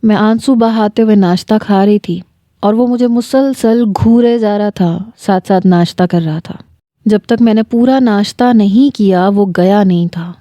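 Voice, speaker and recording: Mellow woman narrating a story. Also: medium pitch, no room sound. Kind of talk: scripted first-person story narration.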